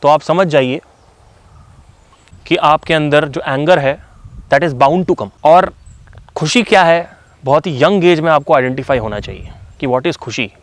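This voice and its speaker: A man gives a motivational talk in a slightly higher voice. He keeps it loose and conversational, with plenty of fillers. He drops English phrases into his sentences as he goes. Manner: conversational, fillers like "you know"; switches between Hindi and English phrases. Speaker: motivational speaker.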